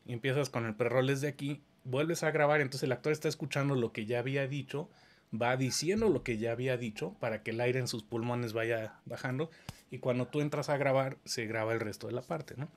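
Speaking a little fast in a steady, medium-pitched voice, a man teaches dubbing work in casual conversation. As an audio engineering teacher, he's patient and keeps asking whether his listener is keeping up.

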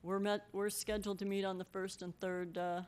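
A woman's voice: mid-range voice, little pitch movement, normal speed, a little mellow. A middle-aged American woman speaking informally as the mayor chairing a council meeting, on a desk microphone in a council chamber. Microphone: gooseneck desk microphone.

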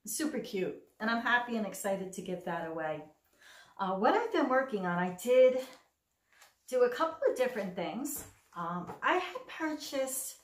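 Chatty middle-aged woman in echoey room. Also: mid-range voice. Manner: chatty, self-deprecating, enthusiastic. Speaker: cross stitch vlogger. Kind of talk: casual show-and-tell chat. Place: home craft room.

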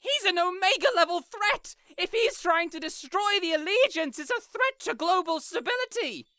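A man's voice: very high-pitched, lively intonation, normal speed, bright, forceful tone, dry recording, studio quality, heavily acted. A man voicing an indignant, insecure young superhero in an audio roleplay, whiny, pompous and melodramatic. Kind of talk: scripted audio roleplay acting.

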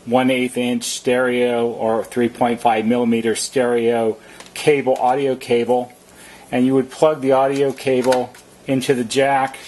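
A man's voice: medium pitch, a little mellow, husky. A man who works as a service technician, giving an informal, plain-spoken product demonstration and explaining step by step.

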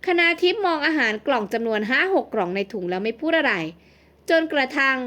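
A woman's voice: sits high, big pitch swings, fairly quick, fairly bright tone. Woman narrating an audio novel. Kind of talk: scripted narration.

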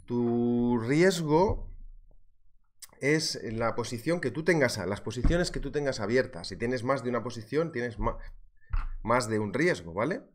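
A man's voice: medium pitch, expressive, a little slow. A man teaching a live trading webinar, joking and chatting as he reads viewer messages. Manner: jokey, chatty, reads viewer chat aloud. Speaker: trading instructor.

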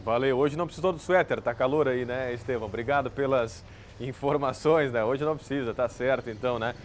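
A man in his thirties anchoring live TV news from a studio, speaking in a relaxed, conversational way. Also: mid-range voice, brisk, slight background noise.

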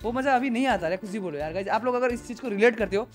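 A young gaming YouTuber with a high voice reacts excitedly to game footage, chatting and often calling out to his viewers. He talks at a racing pace, with faint background music behind him in this casual commentary.

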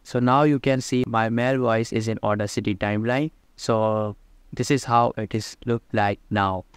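Man, tutorial voice-over, smooth clear tone, dry close sound, plain step-by-step delivery. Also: mid-range voice, steady tone, no room sound. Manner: plain step-by-step instructions, slightly halting phrasing. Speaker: tutorial presenter. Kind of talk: screen-recorded software tutorial. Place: at a computer, voice-over of screen recording.

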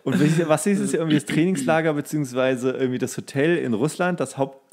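A man's voice: a little high, quick pace, a little mellow. A man co-hosting a podcast, chatting casually and humorously in a colloquial, rambling way with mock-strict asides. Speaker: podcast co-host.

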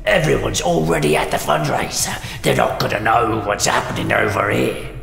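A man voicing a cautious, doubting henchman with a gravelly voice and a hesitant, questioning manner in a fantasy audio game. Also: lowish voice, animated, moderate pace, a bit bright, pitched below the performer's own voice, exaggerated voice. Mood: doubtful, wary. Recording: echoey hall, some background noise.

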